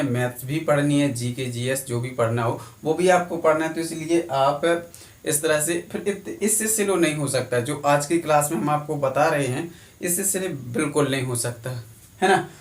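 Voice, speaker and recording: Male teacher, fairly high voice, repetitive drilling lecture, echoey room, far from the mic. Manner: drilling, repetitive question-and-answer. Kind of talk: classroom lecture.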